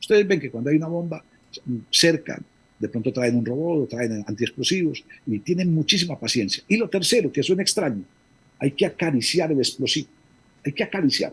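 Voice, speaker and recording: Using an ordinary speaking voice, a man talks at a fairly high pitch. His pace is fairly quick and his intonation lively. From Colombia, Medellín. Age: 60s. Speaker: international consultant, former city official. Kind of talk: radio interview.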